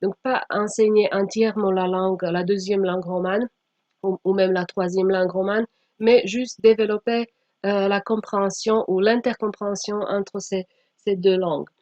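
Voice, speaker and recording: A woman giving a slide presentation as a teacher trainer, speaking haltingly with frequent pauses and sometimes reading aloud. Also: mid-range voice, fairly even intonation, darkish tone. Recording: dull, echoey room sound.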